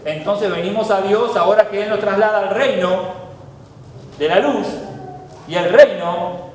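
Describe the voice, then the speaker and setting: A man with a Uruguayan accent preaching a sermon as pastor, emphatic, swinging between loud pleas and soft low asides. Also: unhurried. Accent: Uruguayan Spanish. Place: church hall. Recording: echoey hall with faint noise.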